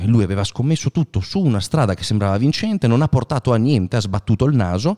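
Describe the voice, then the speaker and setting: A dark, mellow voice with a somewhat breathy quality and a dry, close sound free of echo. The pitch swings very widely, and the pace is fairly quick. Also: man. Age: 30s. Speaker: podcast host. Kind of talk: casual chat.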